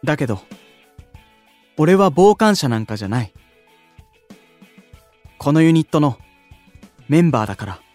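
A man's voice: fairly high pitch, very animated, moderate pace, pauses often, no echo, faint music behind. A man voicing a kind, earnest young male idol who takes on the role of unit leader, in a voice drama. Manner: earnest, gentle, sincere. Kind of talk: anime-style voice drama acting.

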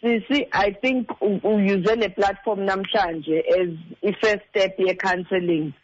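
A man's voice: high-pitched, fairly even intonation, a little slow, lo-fi sound, a little hiss or hum. A man with a South African Xhosa accent giving earnest, direct advice as a relationship counsellor, stressing points by repetition. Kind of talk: earnest advice, mixing in two languages.

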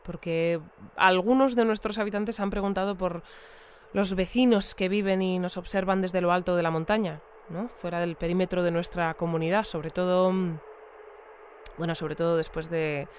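A performer playing an inquisitive, courteous radio news presenter in an audio drama, asking measured questions. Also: mid-range voice, fairly even intonation, a little hiss or hum, lightly acted. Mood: probing. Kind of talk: audio fiction acted as a radio news interview.

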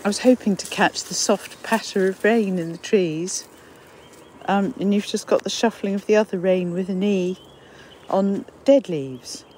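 A woman's voice: medium pitch, measured pace, a little mellow. Rambling woman recording outdoors in rain. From Portsmouth, England. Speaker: nature walk presenter. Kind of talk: rambling walk narration. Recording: faint rain and outdoor noise.

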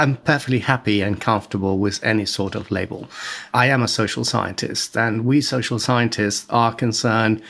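A middle-aged man from Spain talks with a Spanish accent, careful and measured, with the odd "uh". His voice has a gravelly, creaky texture. He sits at the middle of the male pitch range. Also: a bit bright. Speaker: guest, economic geographer. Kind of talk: interview answers.

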